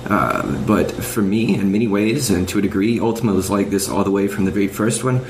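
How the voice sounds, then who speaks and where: Low-voiced man on noisy voice chat. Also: fairly quick. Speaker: podcast panelist. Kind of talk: casual video game discussion.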